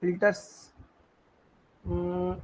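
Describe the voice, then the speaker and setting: In a high, darkish voice with completely flat delivery and drawn-out words, a man teaches a live online exam-prep class on his own mic. He repeats himself, constantly checks in with listeners, and sounds muffled.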